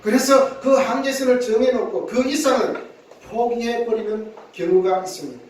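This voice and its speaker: In a church sanctuary, a male pastor delivers an earnest sermon in a very high voice at ordinary speed, frequently repeating himself and performing the quotes he cites. The mic sits far off in a reverberant church hall, with slight background noise.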